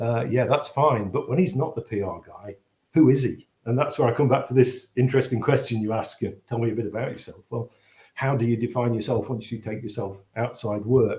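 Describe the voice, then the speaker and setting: Somewhat breathy and with a dark, mellow tone, a man talks at a medium pitch and a fairly quick pace. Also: ordinary pitch variation. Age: 60s. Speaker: writer and poet. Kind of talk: interview. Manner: halting.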